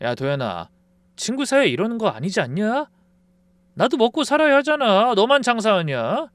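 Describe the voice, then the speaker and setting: A man's voice: huge pitch swings, measured pace, a bit bright, no echo, exaggerated voice. A man voicing a brazen, taunting middle-aged male friend who stole a recipe. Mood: smug. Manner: brazen, taunting, shrill when cornered.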